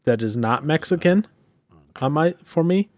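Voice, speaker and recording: A man's voice: a little high, lively intonation, unhurried, dry recording. A man chatting casually as a podcast co-host, dry and sarcastic in his remarks. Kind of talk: casual chat.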